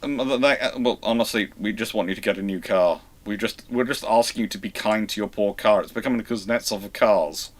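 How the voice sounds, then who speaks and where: A man's voice: a little fast, hardly any pauses. British man hosting a live naval Q&A. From Britain. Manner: animated, teasing, swings to loud high emphasis. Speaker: host. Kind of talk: live Q&A chat.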